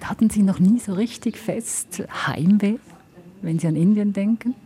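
A woman's voice: medium pitch, moderate pace, dark tone. A Swiss German woman hosting a radio show, asking layered questions and narrating between the talks. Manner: probing, asks layered questions. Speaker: radio host.

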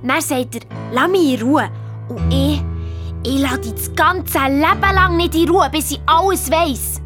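A woman voicing a headstrong, hot-tempered young girl in an audio drama, narrating in a lively, indignant way with a Swiss German accent. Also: high-pitched. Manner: lively, indignant, quick to flare up. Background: faint background music.

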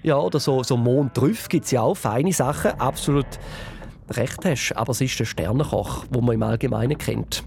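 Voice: mid-range voice, normal speed, creaky, a little mellow, a little hiss or hum. A quiz host with a Swiss German accent, upbeat and encouraging on a children's radio quiz.

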